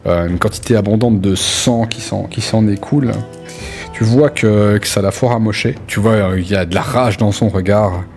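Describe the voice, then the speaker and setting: A man's voice: fairly low pitch, moderate pace, darkish tone, soft background music. A man improvising vivid, casual narration as the game master of a tabletop role-playing game. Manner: vivid descriptive storytelling with casual asides.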